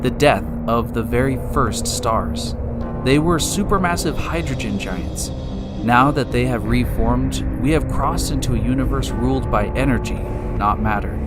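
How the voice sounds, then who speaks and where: Guy narrating a space science audio drama, medium pitch, dramatic explainer style, big loud music behind him. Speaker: narrator and time machine guide.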